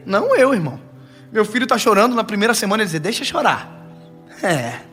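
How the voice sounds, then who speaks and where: A young pastor delivers a sermon in a high, lifted voice. He shifts between joking family anecdotes and slow, weighty pauses. Soft music sits faintly behind him. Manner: animated, storytelling with playful asides and dramatic slowdowns.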